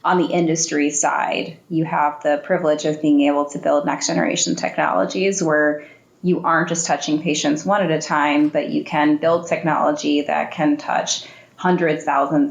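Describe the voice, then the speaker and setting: A low-pitched woman, a little hoarse, answering interview questions about her career. Her delivery is fluent and businesslike with an easy laugh, and her voice bounces around a roomy, echoey space. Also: flat delivery, moderate pace. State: slightly hoarse. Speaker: startup CEO guest.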